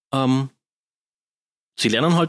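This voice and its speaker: A man speaks at a medium pitch with ordinary pitch variation, recorded very cleanly against a silent background in a dry, close sound with no echo. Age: 40s. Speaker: teacher and travel photographer. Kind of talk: casual interview. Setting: studio. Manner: hesitant with fillers.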